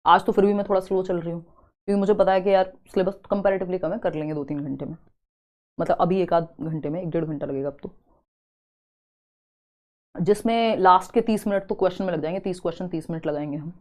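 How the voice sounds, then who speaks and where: A young woman teaching a live online exam-prep class, chatty and teasing, slowly spelling out word examples. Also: fairly low pitch, fairly even intonation, darkish tone. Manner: chatty, teasing students between explanations.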